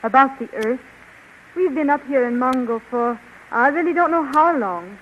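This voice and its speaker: A woman's voice: sits high, animated, moderate pace, slight background noise. An actress playing a weary young woman who pleads to go home, in a 1930s radio drama, recorded on a dull old radio broadcast. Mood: pleading. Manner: pleading, anxious.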